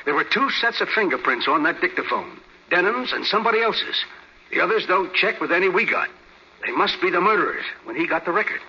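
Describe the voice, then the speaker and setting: A man's voice: sits high, expressive, a little fast, sharp tone, breathy edge, heavily acted. A man playing a blunt, impatient police officer in a 1940s radio crime drama. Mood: earnest. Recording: muffled vintage radio recording.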